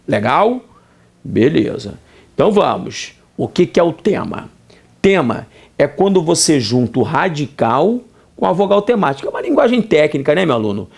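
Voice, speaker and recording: A middle-aged Brazilian man teaching grammar in a video lesson, lively, asking himself questions in a student's voice and answering them. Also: on the high side, normal speed, vocal fry, husky. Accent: Brazilian Portuguese.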